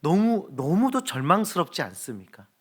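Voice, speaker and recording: A male pastor in his thirties preaching in a church. His voice sits high and rings bright. He swings his pitch widely as he tells stories and asks rhetorical questions. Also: moderate pace, breathy edge. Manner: animated storytelling with rhetorical questions. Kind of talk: sermon.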